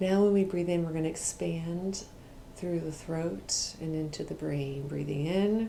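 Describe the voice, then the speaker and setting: A woman speaks in a calm tone at a fairly slow pace, her fairly low pitch showing ordinary variation over noticeable background noise. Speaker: Reiki practitioner, meditation guide. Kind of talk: guided meditation, Reiki relaxation. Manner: soft-spoken, calm, slow.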